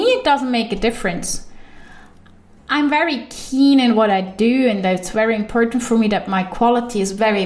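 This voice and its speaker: A woman with a Swiss German accent, hosting her own podcast as an intuition coach, talking animatedly on her own. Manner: animated, with quick shifts up in pitch for emphasis. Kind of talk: solo podcast monologue.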